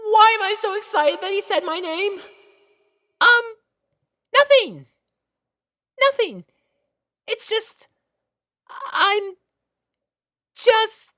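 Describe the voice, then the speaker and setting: A woman's voice: very high voice, lively intonation, drawn-out words, pauses often, bright, forceful tone, big-room sound, pitched above the performer's own voice, heavily acted. A woman voicing a nervous young girl pony with a crush, stammering and gushing in a storybook reading. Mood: nervous, excited. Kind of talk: storybook character voice in a fan fiction reading.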